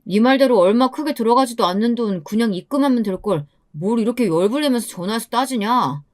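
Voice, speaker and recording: A woman's voice: fairly high pitch, animated, fairly quick, darkish tone, close to an everyday voice. A woman voicing a pushy, stingy man in his late thirties who nags and reproaches his partner in a radio-style story. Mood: irritated. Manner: reproachful, nagging.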